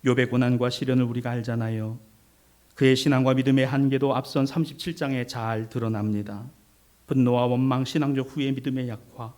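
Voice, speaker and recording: A middle-aged male pastor delivering a sermon, dropping to a hush and then rising to loud rhetorical questions. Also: medium pitch, fairly even intonation, a little fast. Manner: dramatic swings from hushed to loud, rhetorical questions.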